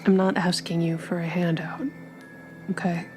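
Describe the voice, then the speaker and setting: Tabletop game role: down-on-his-luck male gumshoe, low, hushed, halting, defensive female performer. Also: flat delivery, music in the background, lightly acted. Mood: defensive, pleading. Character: down-on-his-luck male private investigator, evasive, pleading.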